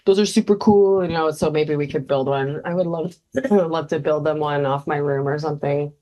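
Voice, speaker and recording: A woman with a low voice co-hosts a casual podcast chat. She talks bluntly, swears freely and laughs often. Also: fairly even intonation, fairly quick, mellow, highs cut off. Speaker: podcast co-host.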